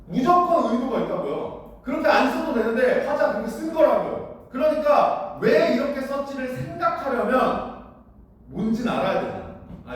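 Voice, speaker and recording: A man teaching high school literature in a lecture room, blunt and casual, constantly asking students whether they follow. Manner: keeps checking understanding with rhetorical questions; blunt, casual, with mild slang. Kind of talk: classroom lecture. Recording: very echoey room, far from the mic, faint noise.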